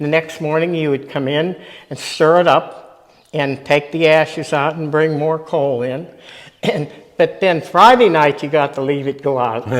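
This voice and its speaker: A woman with an American accent, very deep and low in pitch, speaking at a fairly slow pace over noticeable background noise. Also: ordinary pitch variation. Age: 80s+. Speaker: retired schoolteacher. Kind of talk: casual interview.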